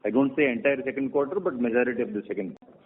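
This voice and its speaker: Indian exec guy on a muffled conference call, husky voice, halting, counts off his points. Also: mid-range voice. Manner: halting, enumerates points one by one. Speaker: company executive. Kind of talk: answering questions on an earnings call. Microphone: conference call phone.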